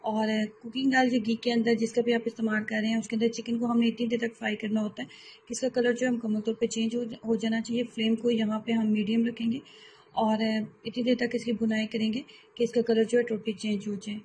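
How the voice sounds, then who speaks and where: A woman hosting a home cooking channel, calmly explaining recipe steps in a voice-over and often repeating herself. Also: on the high side, a little fast, a little hiss or hum, rough recording.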